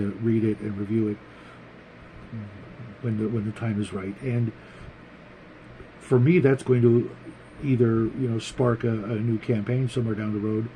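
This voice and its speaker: A man hosting a casual, unscripted vlog about tabletop gaming, talking to viewers in a rambling, halting, conversational way. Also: on the low side, mellow, slight background noise, rough recording. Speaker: host of a tabletop gaming vlog, game master.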